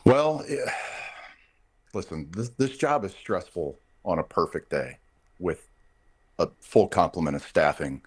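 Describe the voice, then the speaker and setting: A man with a fairly low voice answers as a guest in a news interview. He speaks off the cuff as a union representative, explaining his points with firm emphasis and repeating phrases for stress. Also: animated, measured pace, breathy edge.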